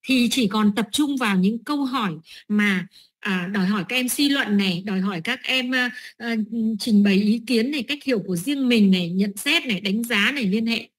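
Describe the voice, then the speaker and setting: A woman's voice: fairly high pitch, brisk, husky. A middle-aged woman training teachers, explaining lesson steps with many fillers and "right?" checks.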